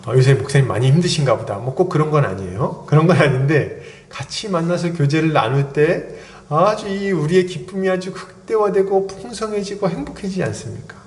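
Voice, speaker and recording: A male pastor preaching an expository sermon, animated and acting out little dialogues. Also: on the high side, a little hiss or hum. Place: church sanctuary. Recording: echoey church hall.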